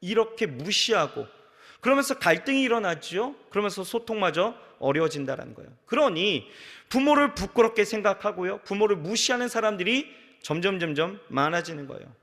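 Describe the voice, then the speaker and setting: A man's voice: high-pitched, a little fast. A pastor preaching a sermon to his congregation, speaking right to them and acting out the voices of the people in his stories. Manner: animated preaching, acts out quoted voices, addresses congregation directly. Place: large church sanctuary. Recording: reverberant large church sanctuary.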